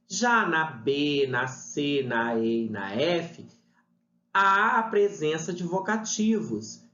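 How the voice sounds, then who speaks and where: Slow-talking man teaching a lesson. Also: fairly high pitch, fairly bright tone. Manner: reads example sentences aloud, then names the answer. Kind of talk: video lesson, reading exercises aloud. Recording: roomy, slightly dull, faint noise.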